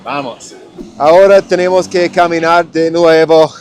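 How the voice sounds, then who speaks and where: Slow, halting man vlogging a meal. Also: fairly high pitch, steady tone, a little mellow, a little hiss or hum. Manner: halting, searching for words, restarts phrases. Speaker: vlog host tasting food. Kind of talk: casual food vlog chat. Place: restaurant.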